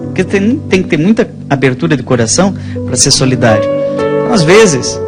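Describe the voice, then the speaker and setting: A man with a Brazilian accent, a priest, talking conversationally about faith and telling stories in a halting, rambling way. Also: fairly high pitch, big pitch swings. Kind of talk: conversational religious storytelling. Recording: music playing behind the voice.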